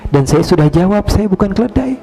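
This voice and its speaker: A calm, gentle caliph replies without anger, his words short and mild, as a male preacher puts him on. His voice has a gravelly grain and sits a little high for a man. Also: fairly quick, faint music behind, heavily acted, low-quality recording.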